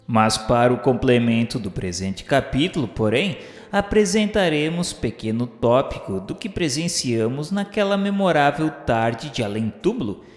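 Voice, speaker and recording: A man's voice: mid-range voice, lively intonation, normal speed. A Brazilian man reading a novel as grave, declamatory, formal dramatic narration. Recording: roomy long reverb with music.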